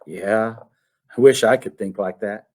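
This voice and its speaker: A man's voice: on the low side, a little slow, a little mellow, voice pushed down. A man voicing a sulky, dramatic schoolboy in a storybook, whining and complaining. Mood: reluctant. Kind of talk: storybook read-aloud.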